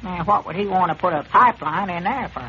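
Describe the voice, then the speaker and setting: Abner, a hesitant, bright-voiced old country bumpkin. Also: male voice, high voice, fast. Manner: drawling, hesitant, rural dialect. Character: slow-witted old country storekeeper man. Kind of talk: 1930s radio comedy acting. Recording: old lo-fi radio transcription with hiss.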